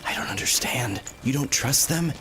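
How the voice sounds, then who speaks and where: A man's voice: medium pitch, lively intonation, moderate pace, background noise, voice pushed up, lightly acted. A man voicing a young male adventurer with light, questioning banter during a tabletop story reading. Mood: puzzled.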